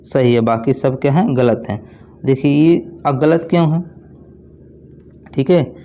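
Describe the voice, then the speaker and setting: Teaching an online exam-prep class, this young man walks students through spelling with repetitive self-answered questions. His mid-range, dark-toned voice moves a little slowly.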